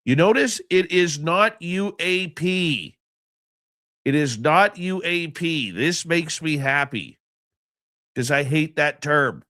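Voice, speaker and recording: A man's voice: a little high, animated, takes it slowly, bright, forceful tone, dry recording, studio quality. A congested, just-woken-up man hosting a live radio stream, chatting loosely and greeting his viewers by name. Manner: rambling, chatty, affectionate with viewers. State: congested, stuffy nose. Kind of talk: casual live show chat, reading out chat names.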